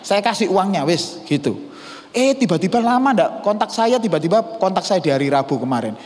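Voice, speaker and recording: A man's voice: sits high, big pitch swings, brisk, a little mellow. A man with an East Javanese accent preaching a sermon as pastor, telling stories and slipping Javanese and English words into his talk. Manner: mixes Javanese and English into Indonesian, storytelling. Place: church hall. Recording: church hall reverb.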